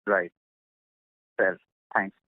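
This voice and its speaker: Male analyst, lowish flat voice, follow-up questions, dry phone-line sound. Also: drawn-out words, no echo. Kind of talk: conference call follow-up questions. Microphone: telephone.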